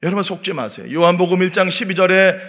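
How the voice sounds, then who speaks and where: A man's voice: high-pitched, fast talker, a bit bright. A man preaching an early morning sermon, emphatic, firing rhetorical questions at the congregation. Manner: acts out the devil's taunts in a mocking voice. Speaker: pastor.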